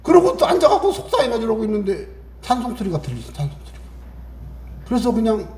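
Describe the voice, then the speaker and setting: A middle-aged male pastor preaches with a high voice that swings widely in pitch, with a warm, mellow tone. He keeps asking the congregation questions and plays out little scenes in other voices. The sound rings in an echoey church hall. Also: fast. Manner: animated preaching, acts out family voices and asks the congregation questions. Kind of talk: sermon.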